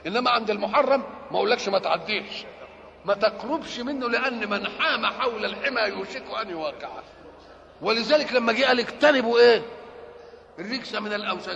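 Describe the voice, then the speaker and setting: A man with a high-pitched, sharp voice and vocal fry delivers a sermon explaining scripture in an Egyptian Arabic accent. As a religious lecturer, he repeatedly poses rhetorical questions and answers them himself, captured in a dull lo-fi recording with long hall reverb.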